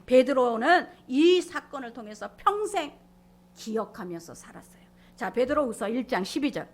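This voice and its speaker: A middle-aged woman pastor delivers an emphatic sermon in a high, bright-sounding voice. She acts out quoted lines and drops into sudden whispers for effect. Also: expressive, moderate pace. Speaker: senior pastor.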